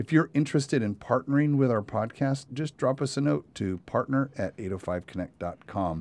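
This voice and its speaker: A man with medium pitch talks with lively intonation. A plain, everyday voice. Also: moderate pace. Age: 60s. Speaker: podcast host. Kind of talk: casual interview; podcast outro. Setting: studio.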